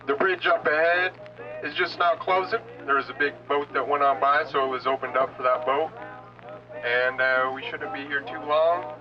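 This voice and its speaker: A man, a train conductor, making relaxed passenger announcements over the intercom. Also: on the high side, dull audio.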